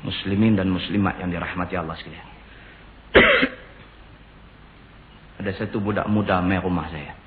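A man's voice: low voice, background noise. Preaching man, tinny lo-fi recording. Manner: storytelling, slow chanted Arabic recitation. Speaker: religious teacher. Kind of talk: sermon.

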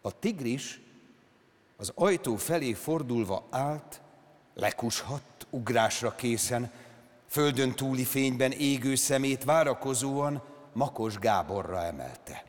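An actor performing a dramatic literary reading on stage, with slow, measured phrasing. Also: male voice, mid-range voice, lively intonation. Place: large concert hall on stage. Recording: reverberant concert hall.

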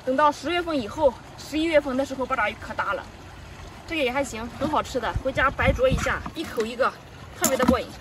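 A woman vlogging as she forages on a rocky seashore, giving excited live commentary full of delighted cries. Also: sits high, fast talker, noisy background. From Shandong, China. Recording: distant mic with loud outdoor ambience.

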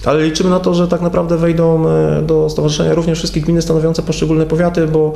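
A man in his forties, a county head, answering in a local TV studio interview, measured and full of hesitations. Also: fairly high pitch, monotone, creaky, mellow. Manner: measured, hesitant with many fillers. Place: TV studio at a table. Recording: echoey studio room.

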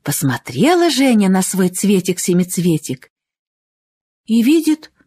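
A woman narrating a children's fairy tale in an expressive, dramatic storytelling manner. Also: mid-range voice, measured pace, slightly rough. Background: music.

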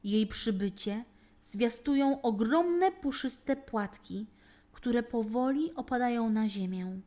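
A woman narrating a children's fairy tale as a storyteller, reading with dramatic, deliberate phrasing. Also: fairly high pitch, animated, warm tone. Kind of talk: scripted narration, expressive bedtime-story reading.

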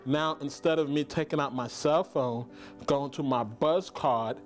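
A man's voice: fairly high pitch, measured pace, soft background music. Emphatic pleading middle-aged man. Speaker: cafe customer. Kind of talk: interview. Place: indoors in a cafe.

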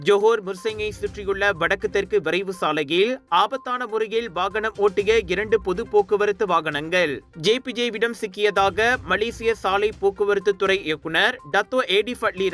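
A man presents the news in a high, bright voice with a Malaysian Tamil accent. His delivery is formal and measured, each phrase carefully enunciated, over faint background music. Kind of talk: formal scripted news reading.

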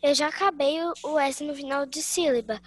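A pupil on a video call keeps calling out to the teacher in a chatty way. Her voice is quite high. She explains where she is in the task. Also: a little fast, no echo. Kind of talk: online class questions.

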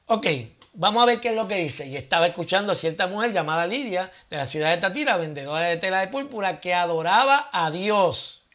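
A man's voice: sits high, expressive, brisk, a bit bright. A man hosting his own channel, giving casual Bible teaching with rhetorical questions and thinking aloud.

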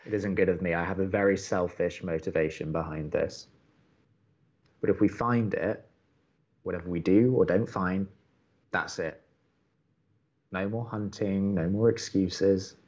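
Drew, low-voiced wry college radio host. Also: male voice, a little slow, pauses often, a little mellow, slightly rough, dull audio. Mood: earnest, firm. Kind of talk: naturalistic audio drama dialogue.

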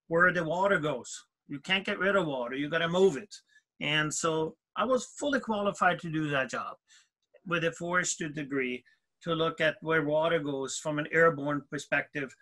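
A man's voice: a little high, bright, forceful tone. A man from Sweden, a forestry professor, telling about his career in a casual panel talk.

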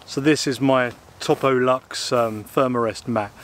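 In woodland, in and beside a small tent, a man from England reviews outdoor gear in a casual, um-and-uh-filled way. He speaks a little slowly with a steady, medium-pitched, slightly bright voice, and the camera mic, used close and at mid distance, picks up a little hiss or hum.

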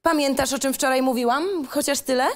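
A woman's voice: high-pitched, steady tone, fairly quick, natural voice. An actress playing a strict, exasperated female schoolteacher in an audio drama script reading, with a sarcastic, scolding manner. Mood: sarcastic, stern.

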